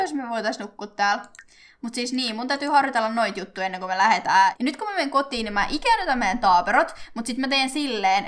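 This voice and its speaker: A young woman with a somewhat high voice chats loosely through her gameplay. She giggles often and speaks straight to the characters on screen. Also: a bit bright. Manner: chatty, giggly, talks to her game characters. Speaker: gaming YouTuber. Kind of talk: casual Let's Play commentary.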